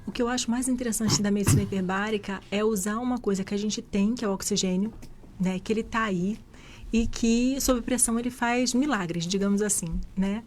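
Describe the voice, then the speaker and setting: A woman's voice: mid-range voice, steady tone, fairly quick, darkish tone, a little hiss or hum. Woman explaining. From Rio de Janeiro, Brazil. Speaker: physician guest. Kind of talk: radio interview answers. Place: radio studio.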